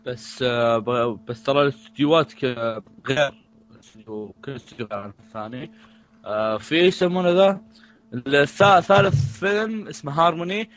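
A man's voice: mid-range voice, lively intonation, fairly quick, a bit bright. A man co-hosting a casual podcast, rambling and restarting his sentences often. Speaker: podcast co-host.

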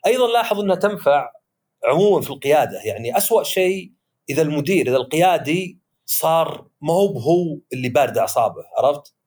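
A man chatting as podcast host, animated and acting out the voices he quotes. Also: on the high side, quick pace. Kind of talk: casual podcast discussion.

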